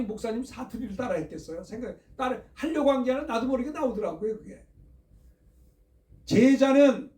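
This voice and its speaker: A man's voice: very high-pitched, darkish tone, roomy sound, far from the mic. A male pastor from Seoul preaching a Sunday sermon, asking the congregation questions as he goes. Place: church sanctuary.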